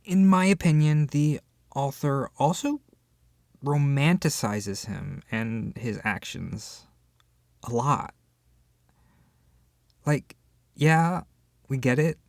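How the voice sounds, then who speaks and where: A voice actor playing an irritated book club member ranting in a one-sided roleplay, exasperated and sarcastic with dramatic pauses. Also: medium pitch, creaky, no echo, studio quality. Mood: annoyed ranting.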